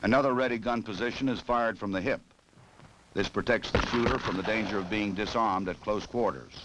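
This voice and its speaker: Low-voiced American man, noisy old film narration. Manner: authoritative, measured, formal. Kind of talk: scripted 1960s instructional film narration.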